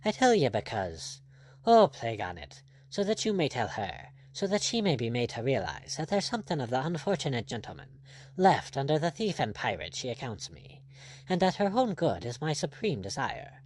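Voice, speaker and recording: A man's voice: mid-range voice, huge pitch swings, moderate pace, darkish tone. A man voicing a gallant, ironic pirate captain in an audiobook, teasing and courtly in manner. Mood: earnest, wistful.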